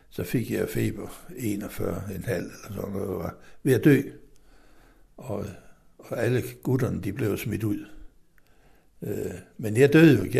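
Middle-aged man from western Denmark, interview guest, very gravelly low voice, rambling stop-start storytelling. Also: mellow. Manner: rambling, halting with fillers and restarts.

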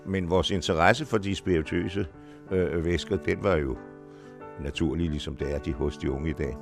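An older man, an actor, telling stories from his life in an interview, in a deep voice and an unhurried storytelling way with small restarts. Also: fairly even intonation, creaky, soft background music. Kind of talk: reminiscing in an interview.

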